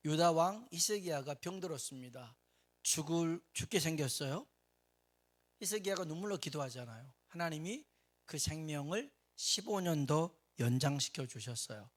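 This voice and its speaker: Korean pastor preaching a sermon. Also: male voice, on the high side, moderate pace. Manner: lively storytelling, acting out characters. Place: church sanctuary.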